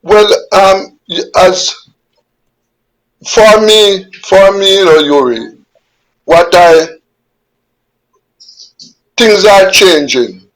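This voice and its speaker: A Jamaican man in his fifties or sixties, a veteran journalist, answering interview questions on a video call in a measured way, repeating words as he gathers his thoughts. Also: high voice, poor audio. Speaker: guest journalist. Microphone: webcam on a video call.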